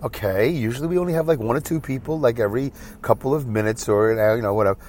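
Stuffy congested guy talking to himself in the car, rambly podcast host, ordinary middle pitch. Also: quick pace, darkish tone, a little hiss or hum. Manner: chatty, self-deprecating, talks to himself. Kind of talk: solo rambling podcast monologue. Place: in a car, driving in traffic.

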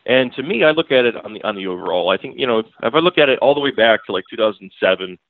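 A man's voice: mid-range voice, lively intonation, rapid-fire, no echo. A man, a newspaper beat writer, talking as a podcast guest in a blunt, emphatic way that keeps hammering the same point. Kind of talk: casual podcast interview. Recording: tinny phone line.

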